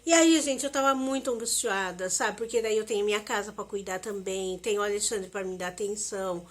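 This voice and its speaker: A woman's voice: mid-range voice, a little fast. A woman, talking emotionally and repetitively straight to her viewers in a confessional vlog. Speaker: vlogger.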